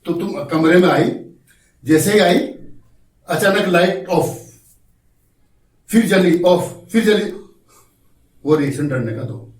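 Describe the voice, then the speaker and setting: A man teaching an acting class, explaining slowly, coaxing his students and acting out examples himself. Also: sits high. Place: acting class room, indoors. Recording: roomy echo from far off, faint noise.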